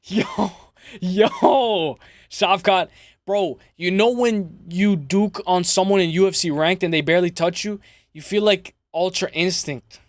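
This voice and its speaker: High-pitched, slightly raspy male streamer. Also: measured pace, no room sound, studio quality. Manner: slangy, chummy, repeats phrases, addresses viewers by name. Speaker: host of a live MMA preview stream. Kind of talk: casual livestream chat and fight commentary.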